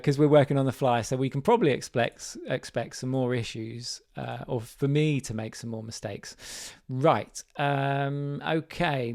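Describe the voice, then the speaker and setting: Guy, bit croaky and gravelly, walking through a website builder live, chatty and fixing his own slips. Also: mid-range voice. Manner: relaxed, thinking aloud, self-correcting. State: slightly croaky voice. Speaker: developer demonstrating software. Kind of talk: live screen-share walkthrough.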